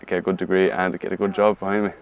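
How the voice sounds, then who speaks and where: A young man gives a plain interview as a student athlete. His voice is fairly low and stays flat in pitch. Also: very fast, muffled recording. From Wexford, Ireland. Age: young adult. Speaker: student hurler. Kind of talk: interview talk.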